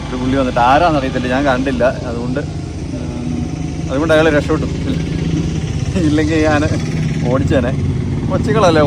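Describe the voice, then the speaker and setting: Heavy background noise surrounds a mid-range male voice as a family vlogger chats casually to his audience. He's outdoors by a car after church, filming on a handheld phone and rambling as he goes.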